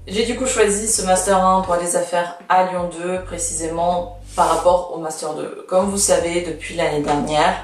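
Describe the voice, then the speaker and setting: A woman's voice: on the low side, steady tone, normal speed, hardly any pauses. Chatty young woman, roomy distant sound. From Canada. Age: 20s. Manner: chatty, many fillers and restarts. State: losing her voice. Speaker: law student vlogger. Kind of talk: casual vlog chat.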